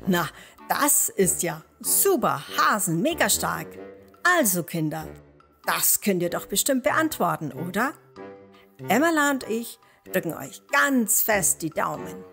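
A woman voicing an excitable, cheerful young male hare in a storybook tale, exclaiming with enthusiasm. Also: mid-range voice, a little slow, creaky, faint music behind, full character voice. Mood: cheerful, encouraging.

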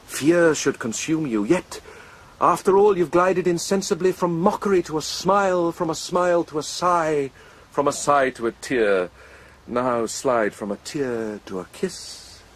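A man's voice: on the high side, breathy edge. An actor playing an eloquent lovesick poet-swordsman, ardent and sardonic, in lyrical, declamatory verse for a classical radio drama. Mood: tender, persuasive.

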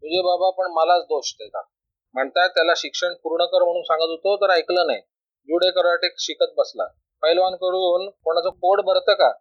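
A man's voice: sits high, steady tone, normal speed, dry recording, lightly acted. A man voicing a worried, tearful older mother who complains and pleads, in a storybook reading on a dull lo-fi recording.

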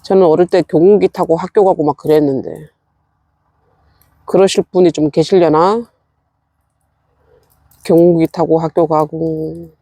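A woman's voice: low-pitched, dark tone, no room sound. A middle-aged woman in a casual vlog, chatting to her succulents and scolding herself as she tends them at her rural home. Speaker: succulent-growing vlogger. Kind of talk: casual chat while tending plants.

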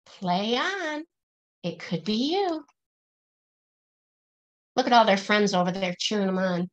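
A woman's voice: mid-range voice, expressive, slow. A middle-aged woman reading a picture book aloud to children in a singsong, teacherly way, stressing the rhymes and asking questions.

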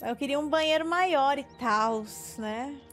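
A woman's voice: high voice, slow pace, a bit bright. A young woman with a Brazilian accent giving casual live commentary as she streams a game. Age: young adult. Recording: game music behind the voice.

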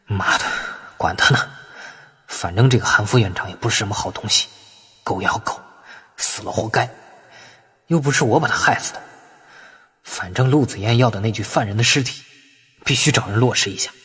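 A man's voice: lowish voice, moderate pace, long pauses, bright, forceful tone, slightly rough, heavily acted. A man voicing a wily, irritable, world-weary young man in an audiobook crime novel, talking in a colloquial, grumbling way. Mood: anxious, grumbling.

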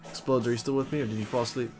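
A man streaming a video game live, chatting and reacting out loud as he plays. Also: medium pitch. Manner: chatty, reacting aloud with frequent laughs. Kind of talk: live gameplay commentary. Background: game music.

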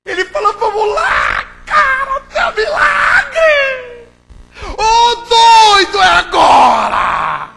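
A man shouting as an overjoyed disciple. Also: very high voice, very animated, rapid-fire, vocal fry, hardly any pauses, pitched above the performer's own voice, full character voice. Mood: ecstatic, urgent. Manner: shouting, laughing, urgent repetition. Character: overjoyed male disciple urging a blind man.

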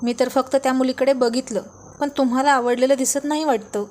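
A woman's voice: high-pitched, fairly even intonation, a little fast, a little mellow, lightly acted. Woman doing a bashful, eager young man. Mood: teasing bashful. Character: young shy eager man, a smitten brother-in-law.

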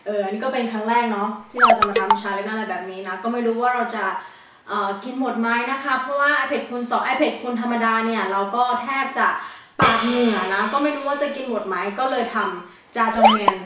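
A woman's voice: a little high, a little fast, music in the background. A young woman vlogging an eating challenge in a chatty, giggly way, with casual swearing. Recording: echoey room, distant mic, background noise.

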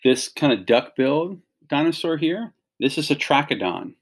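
Very animated, a middle-aged man with a fairly high voice reads a picture book aloud to children at a moderate pace. As their teacher, he points things out and explains them in simple phrases.

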